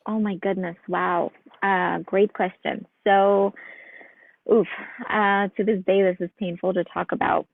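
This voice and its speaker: Woman with a gravelly voice on a tinny line. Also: mid-range voice, level tone, measured pace, dry recording. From Ukraine. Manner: earnest, reflective, many fillers. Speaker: psychologist guest. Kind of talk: casual interview answers.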